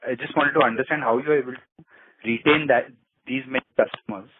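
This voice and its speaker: A man's voice: mid-range voice, steady tone, a little fast. A man asking analytical questions as an analyst on a conference call. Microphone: phone call. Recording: thin phone line, faint noise, clicks.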